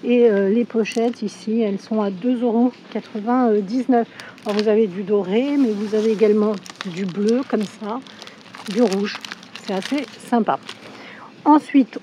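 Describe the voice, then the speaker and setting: Hoarse lady filming in a supermarket, lots of fillers, kinda high voice, faint shop noise. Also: mellow, rough recording. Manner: chatty, with frequent fillers. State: hoarse from a cold. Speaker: shopping vlogger. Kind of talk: casual store walkthrough. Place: inside a supermarket.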